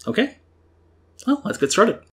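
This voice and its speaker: A man's voice: sits high, sing-song, measured pace, slightly rough. A young man hosting a library tutorial, explaining audio editing step by step in a friendly way, recorded at home. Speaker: library program host. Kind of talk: software tutorial. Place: home kitchen-living room, indoors.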